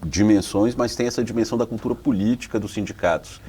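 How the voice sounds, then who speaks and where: Guest researcher, Bahian accent, very low voice, measured academic explainer. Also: male voice, warm tone, breathy edge. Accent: Bahian Portuguese. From Salvador, Bahia, Brazil. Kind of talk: interview answers.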